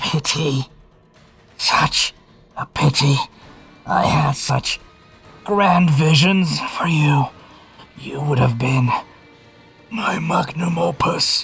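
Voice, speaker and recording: A raspy put-on character voice at a low-to-middle pitch moves at a very slow pace with long, frequent pauses while faint music plays behind it. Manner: regretful, grandiose.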